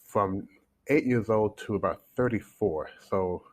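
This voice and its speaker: A man's voice: fairly low pitch, a little slow. A man in his forties from Canada, a coach being interviewed, who tells his story in a talkative way, restarting and repeating words as he goes. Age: 40s. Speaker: guest, coach. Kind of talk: casual interview talk. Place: home in China, remote call.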